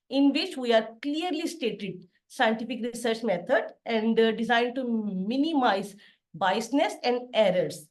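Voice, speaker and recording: A middle-aged woman from Pakistan gives an online lecture over a video call. Her voice sits a little high, and she explains her points plainly, step by step. She pauses often with "uh" as she goes. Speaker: assistant professor giving a webinar lecture. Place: home study with bookshelves behind.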